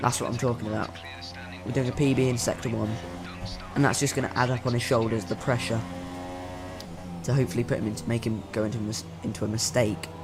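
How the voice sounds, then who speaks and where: With music behind him and audible room echo, a man speaks very fast with ordinary pitch variation, broken by long, frequent pauses. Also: medium pitch for a man. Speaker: sim racing gamer / YouTuber. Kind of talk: gameplay commentary. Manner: stuttering, unscripted.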